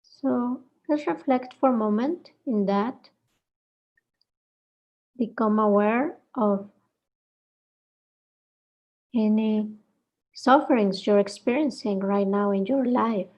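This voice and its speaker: A woman leading a guided meditation, speaking gently in short phrases with reflective pauses between them. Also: medium pitch, highs cut off.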